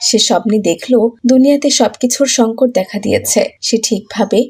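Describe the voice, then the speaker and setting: A woman's voice: fairly high pitch, normal speed, vocal fry, darkish tone, a little hiss or hum. A woman narrating a scripted moral story for children.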